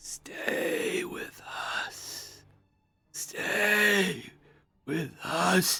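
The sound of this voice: A raspy, put-on character voice.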